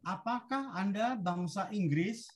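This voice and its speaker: A woman teacher reads out short drill sentences at a very slow pace. Her delivery is deliberate and instructional, leaving each phrase ready to be repeated. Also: mid-range voice, a crowd in the background. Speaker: language teacher. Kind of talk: language drill, reading short sentences for repetition.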